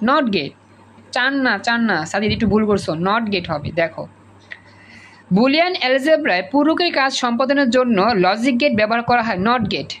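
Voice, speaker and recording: Brief: Bangladeshi woman tutor on a video call, higher voice, repeats herself, prods students to reply. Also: a bit bright, dull audio, a little hiss or hum. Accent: Bangladeshi Bengali. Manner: repeats points, coaxes students to answer. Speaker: teacher. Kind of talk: online class lecture.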